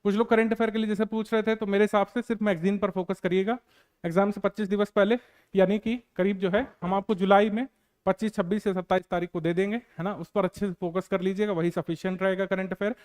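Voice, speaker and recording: A male coaching teacher lectures students on exam preparation in an earnest, repetitive way, dotted with filler sounds. His voice sits high and comes across clean and smooth. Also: little pitch movement, fast, darkish tone.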